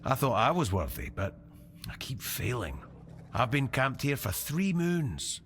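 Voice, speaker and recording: An actor playing a weary, proud tribal warrior in a fantasy role-playing game, speaking gravely and deliberately with a fatalistic air. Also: male voice, medium pitch, huge pitch swings, fairly bright tone, slight background noise, heavily acted. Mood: weary, resigned. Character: weary, proud tribal warrior man camped at sealed doors.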